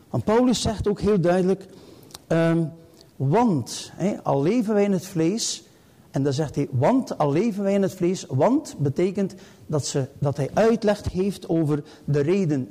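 A man's voice: a little high, warm tone, breathy edge. A middle-aged man preaching a sermon emphatically, repeating key phrases in rising bursts.

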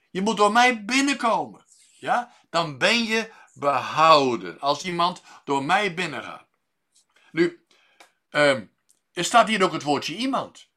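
A man preaching a sermon, measured and pausing often with fillers and restarts, lifting his voice on key words. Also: high-pitched, pushed and bright.

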